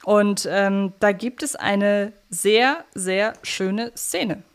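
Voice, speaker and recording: A woman's voice: mid-range voice, very slow, clear, resonant tone. A female podcast host with a mid-range voice, chatting casually about audio drama. Her manner is wry and amused.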